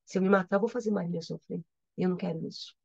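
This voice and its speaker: A woman with a Brazilian accent voicing a lovesick young male poet who talks himself out of despair, soft and resigned. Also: fairly low pitch, fairly even intonation, very fast, gravelly, husky, no echo, highs cut off. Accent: Brazilian Portuguese.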